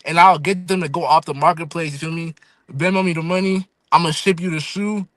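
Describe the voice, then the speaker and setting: An eighteen-year-old man from Fresno, California and Houston chats loosely as a podcast guest, repeatedly saying "you feel me." His voice is fairly high, steady and a bit bright, his pace a little fast, with no echo.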